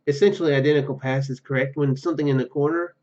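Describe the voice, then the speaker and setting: A man's voice: mid-range voice, fairly even intonation, fast, a little mellow. Dull-sounding male gamer reading aloud. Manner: stumbles and self-corrects while reading. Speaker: gaming video host. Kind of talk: reading game narration aloud with casual commentary.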